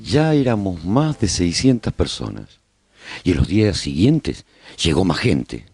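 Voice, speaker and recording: Husky, low-voiced survivor narrating radio drama. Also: male voice, big pitch swings, measured pace, a little mellow, soft background music, exaggerated voice. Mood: reflective, wry. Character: male survivor recounting life in a post-apocalyptic colony. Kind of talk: scripted first-person radio drama narration.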